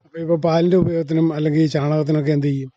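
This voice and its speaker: A male radio interviewer with a Kerala accent and a very soft, mellow tone. He talks fast and conversationally, often seeking confirmation. The sound is dry and slightly muffled. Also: a little high, level tone, dry recording. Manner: inquisitive, often ends with confirming tag questions. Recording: dull, band-limited dry radio recording.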